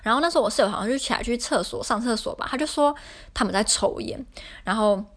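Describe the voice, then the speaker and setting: Young woman, solo podcaster, rapid and irritated rambling storyteller. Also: on the high side, animated. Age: young adult. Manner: exasperated, rambling retelling with many fillers.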